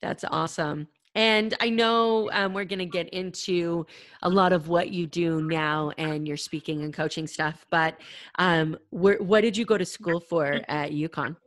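A woman's voice: fairly low pitch, unhurried, fairly bright tone, no echo, studio quality. Upbeat woman podcast host. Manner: upbeat, chatty, lots of fillers. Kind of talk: casual interview.

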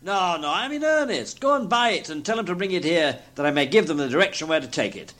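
A man acts out an elderly miser reformed and overcome with feeling. The voice is pitched high and swings widely as he exclaims and repeats himself breathlessly, in the manner of a dramatised storybook. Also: expressive, normal speed, fairly bright tone. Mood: excited eagerness. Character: elderly reformed miser, giddy with joy and gratitude. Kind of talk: dramatised reading of a classic storybook.

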